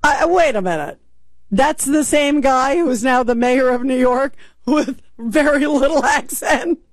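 An emphatic talk radio host reacts with open disbelief and takes calls from listeners. The voice sits high. The sound is dry and close to the mic. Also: measured pace, no echo. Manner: emphatic and incredulous.

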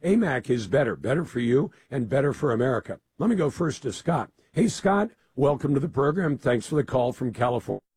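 A man hosting a call-in talk radio show, slightly hoarse with gravel in his voice, blunt and argumentative with callers. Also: mid-range voice, sing-song, fairly quick, hardly any pauses, darkish tone, no room sound.

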